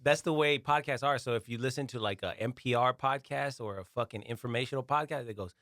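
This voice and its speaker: A man's voice: medium pitch, quick pace, fairly bright tone, no echo. A male podcast co-host in casual comedic chat, bantering in slangy, profane language, recorded close.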